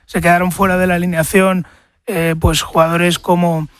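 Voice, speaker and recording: A man on a football panel giving brisk analysis in casual chat. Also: sits high, flat delivery, a bit bright, clear, resonant tone, no room sound.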